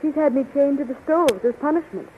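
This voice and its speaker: An actress playing an anxious, downcast young captive princess in a 1930s radio serial, plaintive and melodramatic. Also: female voice, high voice, a little fast, natural voice. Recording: scratchy, tinny 1930s radio recording.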